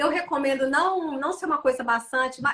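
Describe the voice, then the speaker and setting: This woman keeps a moderate speed, her pitch shifting in an ordinary way. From Brazil, Minas Gerais (Sete Lagoas). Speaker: children's author. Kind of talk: interview.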